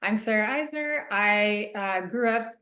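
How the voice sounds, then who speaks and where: A middle-aged woman from Northern California, an author answering interview questions thoughtfully, with many pauses and soft laughs. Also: medium pitch, roomy sound. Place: radio studio.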